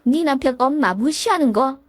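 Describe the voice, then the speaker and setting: A woman's voice: sits high, expressive, moderate pace, no room sound. A woman voicing a domineering older mother-in-law who nags and threatens in a storybook tale. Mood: furious.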